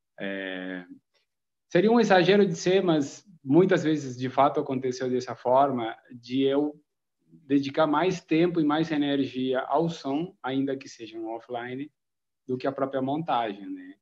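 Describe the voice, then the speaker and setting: Speaking with an Argentine accent, a man with a fairly high pitch talks at a fairly slow pace with lively intonation. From Argentina. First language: Spanish (speaking Portuguese). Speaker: film editor. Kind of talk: panel discussion.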